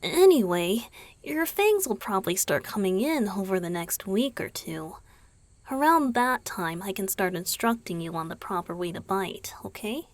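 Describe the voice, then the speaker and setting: A woman voicing a gentle, teasing male vampire boyfriend in an intimate ASMR roleplay, speaking softly and patiently, often dropping toward a whisper, close to the microphone. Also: medium pitch, lively intonation, moderate pace, no echo, lightly acted. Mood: reassuring, affectionate. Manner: soft, often whispered, patient explaining with small chuckles. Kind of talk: ASMR roleplay, intimate one-sided dialogue to the listener. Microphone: close, dry microphone.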